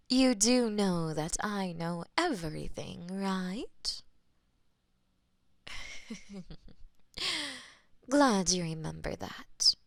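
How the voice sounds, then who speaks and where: A woman playing a possessive, lovestruck goddess of death in an intimate romantic audio roleplay, with a breathy, theatrical delivery that often drops to whispers. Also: mid-range voice, no room sound, clean studio sound, heavily acted. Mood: intimate, reassuring.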